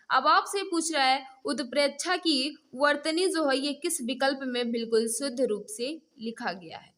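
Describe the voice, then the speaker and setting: A woman's voice: high-pitched, bright, forceful tone. A woman teaching an online exam-prep class, quizzing her learners and repeatedly prompting them directly for answers. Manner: repetitive prompting, addresses learners directly as friends. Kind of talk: interactive mock-test lesson, quizzing viewers.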